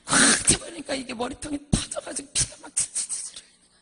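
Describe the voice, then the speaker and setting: A male preacher telling a dramatic, emotional story in a sermon, with a gravelly, husky voice. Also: extremely high pitch, quick pace, sharp tone, long reverb tail. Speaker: preacher giving a testimony.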